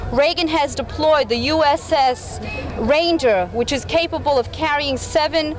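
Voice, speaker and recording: A woman with a high pitch and ordinary pitch variation keeps a moderate pace while noticeable background noise continues. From El Salvador. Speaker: activist speaker. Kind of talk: prepared rally speech.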